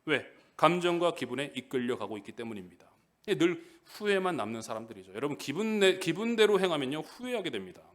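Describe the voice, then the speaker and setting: A middle-aged male pastor giving a sermon in church, lively and direct, often throwing questions to the congregation. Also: a little high, a little fast. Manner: animated, calls out questions to the congregation.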